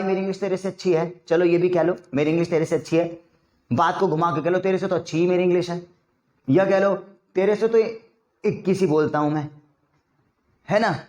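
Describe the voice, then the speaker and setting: A man teaching English in a chatty way, repeating example sentences slowly so learners can drill them. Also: high voice, darkish tone, echoey room. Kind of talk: spoken English lesson in Hindi.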